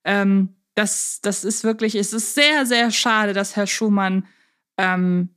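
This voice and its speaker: A woman's voice: medium pitch, slow pace, a bit bright, clear, resonant tone. Woman co-hosting a casual podcast. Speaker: podcast co-host.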